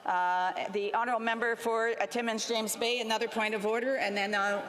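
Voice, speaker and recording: A woman with a Canadian accent presiding as speaker of parliament, giving formal rulings in a halting, hesitant way. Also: on the high side, steady tone, a bit bright. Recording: reverberant chamber hall.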